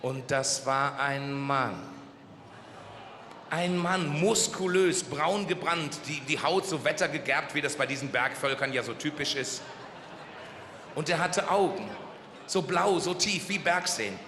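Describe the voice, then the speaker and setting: A man doing stand-up jokes at a carnival event, telling stories punchily and sometimes shouting. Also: on the high side, a little slow, slight background noise. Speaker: carnival comedian. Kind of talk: stand-up joke telling on stage. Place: large carnival hall stage. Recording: echoey hall with long reverb.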